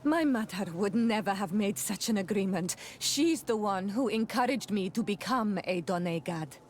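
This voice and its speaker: A woman's voice: mid-range voice, expressive, moderate pace, a little hiss or hum, lightly acted. A woman playing a proud, defiant young tribal chieftain's daughter in a video game, speaking earnestly and firmly. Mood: defiant, indignant. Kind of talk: video game cutscene acting.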